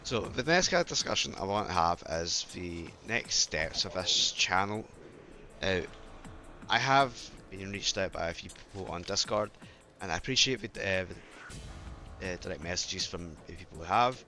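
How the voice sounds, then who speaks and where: A low-voiced man talks through his gameplay in a loose, rambling way, stopping to correct himself and apologise. His throat is sore and close to giving out. Game music plays clearly behind him. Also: expressive, moderate pace, sharp tone. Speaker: gaming channel host. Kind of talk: casual gameplay commentary.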